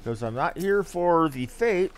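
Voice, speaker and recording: Animated higher-pitched man streaming a game. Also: unhurried, a little hiss or hum. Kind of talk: casual gameplay commentary.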